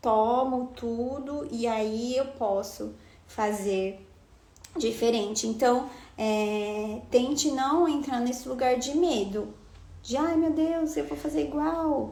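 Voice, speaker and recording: Amid audible room echo, a woman speaks very slowly in a high pitch with lively intonation. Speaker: family constellation facilitator. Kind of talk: live stream Q&A talk. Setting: live stream.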